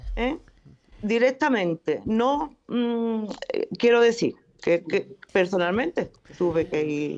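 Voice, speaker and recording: A woman's fairly high voice, very slow, with very wide swings in pitch. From Huelva, Andalusia. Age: 50s. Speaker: widow and former carer of an ALS patient. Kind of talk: radio interview.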